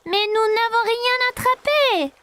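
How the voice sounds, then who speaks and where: A woman's voice: expressive, no echo, heavily acted. A woman voicing an eager, curious, impatient little preschool boy in a children's cartoon, with a childlike, questioning way of talking. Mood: disappointed. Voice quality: high, bright, childlike. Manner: exclaiming, questioning, slow simple delivery.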